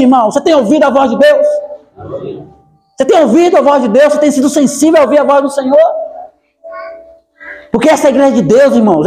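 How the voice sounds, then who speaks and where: A man with a Brazilian accent preaching a fervent sermon in a church, exhorting and rising to shouts. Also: very high voice. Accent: Brazilian Portuguese. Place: church hall. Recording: roomy church hall, faint music.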